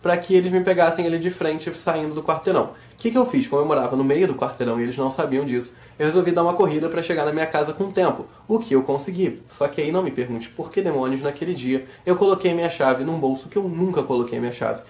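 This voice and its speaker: A man with a Rio de Janeiro Brazilian accent, a little hoarse from a sore throat, chatting informally and emphatically like a vlogger. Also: on the high side, fast talker, hardly any pauses, a little mellow, reverberant. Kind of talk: casual monologue to camera.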